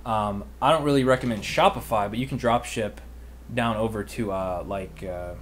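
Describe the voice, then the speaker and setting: American guy in his 20s, kinda low voice, slangy casual livestream q&a, bit of background noise. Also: normal speed, a bit bright. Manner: informal, youthful slangy phrasing. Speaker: online business livestream host and mentor. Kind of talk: casual chat, answering live viewer questions.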